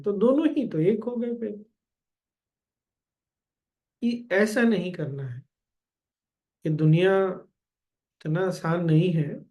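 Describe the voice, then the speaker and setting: A man giving a gentle spiritual discourse as a teacher, calmly addressing his listeners directly. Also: on the high side.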